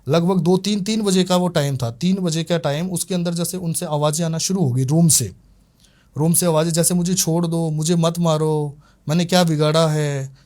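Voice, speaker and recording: A man in an interview, animatedly retelling an exorcism case and voicing the people in it. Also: high voice. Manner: animated retelling, voices other people's lines. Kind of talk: storytelling interview.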